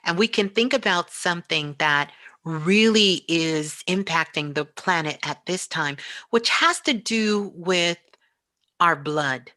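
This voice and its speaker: A woman's voice: fairly low pitch, slow, bright, forceful tone, no room sound. A woman giving a spiritual motivational talk as a teacher, speaking emphatically and repeating phrases for effect.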